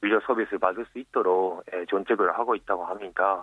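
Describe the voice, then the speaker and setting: With a Japanese accent, a man speaks at a fairly low pitch. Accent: Japanese-accented Korean. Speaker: NGO medical team leader. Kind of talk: interview answers.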